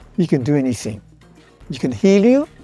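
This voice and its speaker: Music plays behind a man whose fairly high voice keeps a moderate pace. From Trinidad. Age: 80s+. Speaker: painter and poet. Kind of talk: interview answer.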